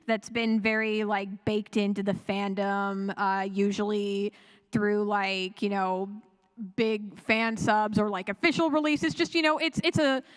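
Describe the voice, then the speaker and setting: A woman presenting an informal panel talk to an audience, animated and conversational, with wry asides. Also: mid-range voice, clear, resonant tone.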